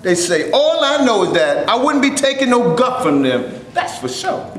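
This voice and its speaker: Man doing an indignant, boastful black actor, very high voice, lively pitch, echoey hall. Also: moderate pace. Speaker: actor in a staged reading. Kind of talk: staged play reading. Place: stage before a live audience. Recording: very echoey room, faint noise.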